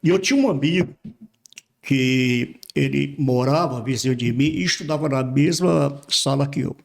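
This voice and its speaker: A man's voice: medium pitch, moderate pace, vocal fry. An older man from Brazil, a pastor, telling his life story in a casual interview and repeating words as he recalls things. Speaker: pastor, podcast guest.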